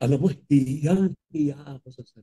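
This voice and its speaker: The man's tone is dark and mellow and somewhat breathy, captured in a dry, close sound with no echo. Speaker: voice talent, radio drama writer and actor. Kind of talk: interview answer.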